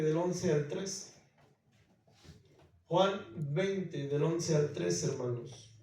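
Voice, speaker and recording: High-voiced preacher in an echoey church. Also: male voice, a little hiss or hum. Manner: emphatic preaching, repeated calls to the congregation. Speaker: pastor. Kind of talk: sermon. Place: church in the United States. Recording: very echoey church hall, mic far off.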